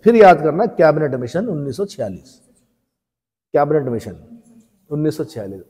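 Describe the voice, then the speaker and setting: A male teacher with a northern Indian Hindi accent lectures a class, drilling each point by firing it back as a question. His voice sits fairly high yet mellow in tone. The recording carries a long hall reverb. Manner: folksy storytelling asides.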